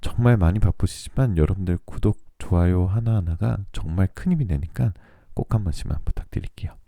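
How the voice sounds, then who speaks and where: A man reading tarot for listeners in a soothing, polite, measured radio-like style, his voice still recovering from a throat cold. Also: deep voice, lively intonation, gravelly, mellow, no room sound, clean studio sound. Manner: soothing, polite, measured delivery meant to lull listeners to sleep. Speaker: tarot reader and channel host.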